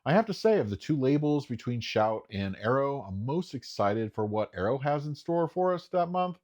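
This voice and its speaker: A man casually talking through upcoming disc releases in a chatty, enthusiastic way, often pausing with "uh". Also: mid-range voice, big pitch swings, darkish tone. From United States. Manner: chatty, enthusiastic, frequent uh fillers. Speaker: home video reviewer. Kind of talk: casual solo commentary.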